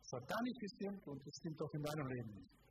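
A man's voice: fairly high pitch, very animated, quick pace, a little hiss or hum, rough recording. A man preaching a live sermon to a congregation, speaking emphatically and asking them direct questions. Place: church service before a congregation.

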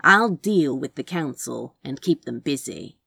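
A woman's voice: very deep voice, animated, unhurried, creaky, sharp tone, slightly rough, no echo, studio quality, voice pushed down, full character voice. A woman voicing a cocky, unflappable male sorcerer with a wry, fond manner, in a storybook reading. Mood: confident, businesslike.

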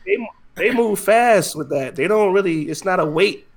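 A man with an American accent and a moderately high voice co-hosts a casual podcast. His talk is informal and slangy, with frequent short words of agreement. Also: animated, normal speed. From United States, military family. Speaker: podcast co-host.

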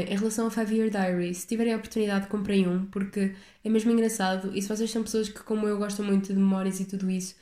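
Young woman, European Portuguese accent, podcast host, rambling casual chat, reflective, mellow tone, mid pitch. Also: reverberant. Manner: rambling, reflective, chatty with restarts.

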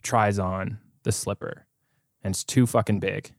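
A man with a fairly low voice tells a story as a podcast co-host. He is informal and comedic and swears freely. The sound is dry, with very little room in it. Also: steady tone, measured pace, no echo. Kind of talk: casual comedic storytelling retelling a fairy tale.

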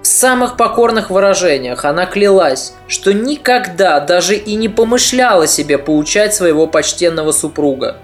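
A woman narrating a history podcast in a measured, reflective storytelling manner. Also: medium pitch.

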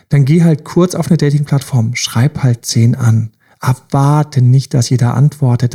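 A man's voice: on the high side, dark tone. A man hosting a self-help podcast, coaching listeners directly with repeated rhetorical questions. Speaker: podcast host.

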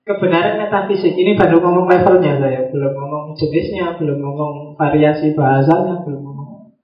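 A man giving a relaxed, joking philosophy lecture to a class. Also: fairly high pitch, fairly quick. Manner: joking, conversational, acts out little quoted exchanges. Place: classroom with students. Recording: roomy, dull lo-fi classroom recording.

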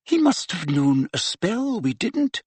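Man voicing Professor McGonagall, grave, high, hushed schoolmistress. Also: wildly swooping pitch, takes it slowly, husky, dry recording, full character voice. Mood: hushed, regretful. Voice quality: hushed, whispery. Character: senior witch professor, subdued, grave and regretful.

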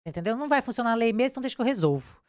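A woman's voice: a little high, rapid-fire, no echo, studio quality. A woman with a Brazilian accent, a crime reporter telling her story in a casual interview and acting out what people said. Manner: animated, acts out quoted dialogue.

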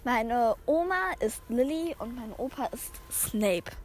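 A young woman in animated, casual chat with a friend during a game, laughing and quick to get excited. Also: a little high. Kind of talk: casual chat while playing a drawing game.

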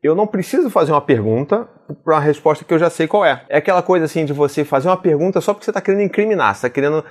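A father chats casually to camera about parenting. He talks very fast in a slightly high voice. He tells stories animatedly and acts out the dialogue. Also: expressive.

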